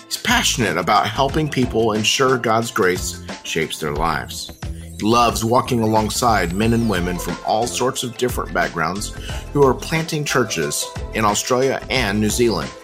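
A man hosts a podcast, reading his introduction in a measured, even way before putting questions to his guest. His voice sits on the low side. Music plays clearly beneath him. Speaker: podcast host. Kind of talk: scripted intro, then interview questions.

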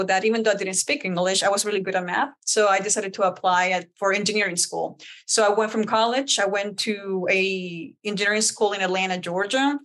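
A woman from Colombia whose first language is Spanish speaks as a guest on a podcast. She tells her story in a candid, chatty way with plenty of fillers. Her voice sits at an ordinary mid pitch. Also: fairly bright tone. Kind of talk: casual interview storytelling.

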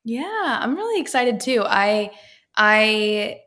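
A woman's voice: on the high side, very animated, slow, bright, forceful tone. A young woman co-hosts a casual chat podcast. She talks in an encouraging, supportive way. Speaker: podcast co-host.

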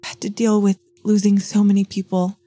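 A woman's voice: medium pitch, completely flat delivery, a little fast, dark tone, dry recording. A woman player speaking in character, earnest and emotional. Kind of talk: in-character role-play.

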